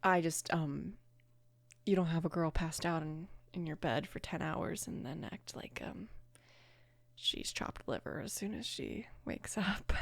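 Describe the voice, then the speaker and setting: A woman voicing a young mafia boss's daughter, gentle, protective and flustered, in a soft, hesitant near-whisper for an ASMR romance roleplay. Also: fairly low pitch, vocal fry, dry recording, full character voice. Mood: flustered, tender.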